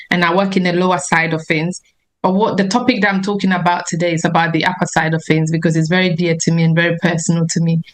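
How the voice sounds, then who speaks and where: A woman speaks earnestly as a guest nurse practitioner, explaining a health topic in a relaxed, conversational way. Her voice sits a little low and she often restarts her phrases. The sound is that of a video call. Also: low-quality recording. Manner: earnest, explanatory, self-correcting. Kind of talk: informal health talk with slides.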